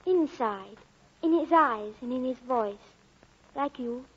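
Earnest teenage lad, plain-spoken and high, old radio play with muffled sound. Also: lively intonation, slow, husky, long reverb tail, exaggerated voice. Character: earnest, polite Welsh boy in his teens. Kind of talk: 1940s radio acting.

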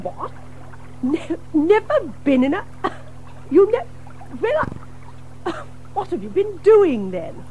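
A woman's voice: very high-pitched, huge pitch swings, takes it slowly, pauses often, warm tone, a little hiss or hum, full character voice, poor audio. A woman playing a chatty, friendly water rat in a children's audio drama, hearty and exclamatory. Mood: enthusiastic. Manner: hearty, exclamatory, chuckling and hesitating.

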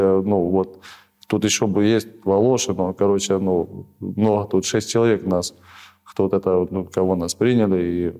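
Hesitant low-voiced man, rambling. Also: dark tone. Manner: hesitant, rambling, many restarts and fillers. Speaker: prisoner of war being interviewed. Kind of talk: halting conversational answers. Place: small office indoors.

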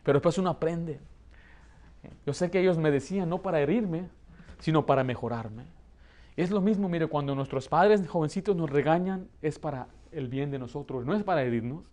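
A man in his thirties who grew up in the United States, preaching a lively sermon from a pulpit with a Mexican Spanish accent. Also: fairly high pitch, normal speed. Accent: Mexican Spanish, learned in the United States. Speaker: pastor. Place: church hall, plain indoor room.

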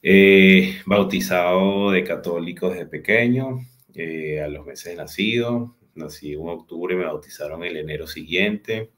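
Deep-voiced Venezuelan man on a video call. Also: fairly bright tone. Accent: Venezuelan Spanish. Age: 40s. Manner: unhurried, with many hesitant fillers and restarts. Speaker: guest. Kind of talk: personal storytelling in an interview. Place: home room with a large window. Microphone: video call webcam.

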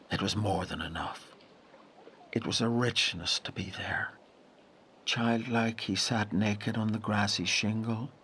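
Low-voiced, grave male narrator. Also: a little hiss or hum. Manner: measured, intense, dramatic pauses, dropping to hushed phrases. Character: grave narrator haunted by a wild lake memory. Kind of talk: literary audio drama narration.

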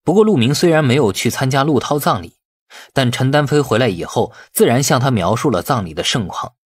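A man's voice: mid-range voice, lively intonation, fairly quick, husky, no room sound, studio quality. A man narrating a novel as a dramatic scripted audiobook.

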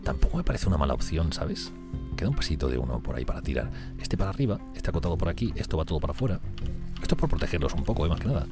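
Gaming host, Spanish man from Spain, rumbling low and quick, chatty and lively as he thinks aloud. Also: music in the background. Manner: chatty, thinks aloud and talks to his game characters. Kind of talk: let's-play commentary.

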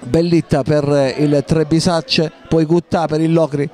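A man giving live football play-by-play in clipped running phrases, with pauses between them. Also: on the high side, little pitch movement, over music. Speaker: football match commentator.

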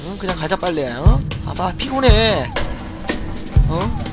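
Man, very high voice, comic game commentary, loud game music underneath. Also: slow pace. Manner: playfully talks to in-game badger cubs as their dad; bursts into loud excited shouts. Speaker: game streamer. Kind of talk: comic let's-play commentary.

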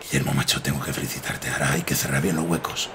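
A man from putting on a deep, grave voice to play a man who praises the player and gives advice. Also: steady tone, quick pace, gravelly, a bit bright, a little hiss or hum, heavily acted. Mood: solemn.

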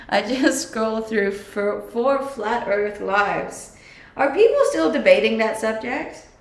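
A woman's voice: a little high, animated, slow. A young woman with a Danish accent, chatting casually on a livestream and answering viewer comments, laughing often. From Denmark. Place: home kitchen, indoors. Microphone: webcam at desk distance. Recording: echoey kitchen with faint background hum.

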